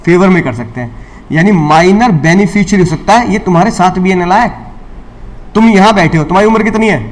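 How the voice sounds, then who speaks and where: A man teaching law to a class. He asks questions and answers them himself, repeats key lines and slips English legal terms into his Hindi. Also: sits high. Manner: scolds and teases students. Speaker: law lecturer. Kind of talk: classroom lecture.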